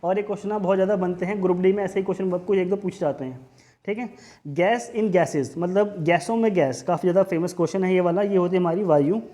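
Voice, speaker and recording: Mellow-voiced man running an exam revision lesson. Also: sits high, quick pace. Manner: casual, repeats "theek hai", mixes English terms. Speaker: quiz teacher.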